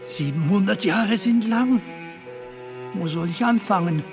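High-voiced, mild, bewildered comedian. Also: male voice, unhurried, over music. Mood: unsure, polite. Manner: hesitant, polite, questioning. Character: mild, modest, bewildered comedian from a later century. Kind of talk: theatrical German dialogue drama.

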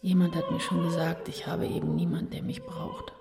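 A woman's voice: on the low side, huge pitch swings, moderate pace, vocal fry, background noise, full character voice. An actress playing an anguished woman writer in a literary radio drama, intense and introspective in a poetic delivery. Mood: wounded, subdued. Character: anguished, brooding woman writer losing her sense of self.

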